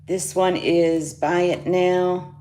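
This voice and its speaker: A woman's voice: fairly low pitch, level tone, takes it slowly, mellow. A woman chatting casually on a jewelry livestream, greeting viewers by name. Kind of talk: casual live sales chat. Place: home studio, indoors.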